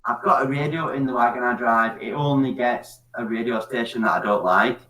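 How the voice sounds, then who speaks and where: Heard through a distant, echoey mic, a drunken man from Scotland chats casually on an open call-in site, swearing and rambling as he goes. He talks briskly, with a medium-pitched, fairly bright voice.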